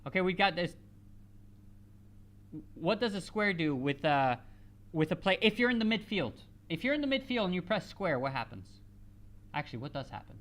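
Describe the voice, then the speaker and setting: Live football stream host, first language Spanish, casual chat, halting, many restarts, switches to French. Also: medium pitch, sing-song, fairly bright tone. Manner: switches between English and French. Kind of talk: casual live match chat, answering viewers.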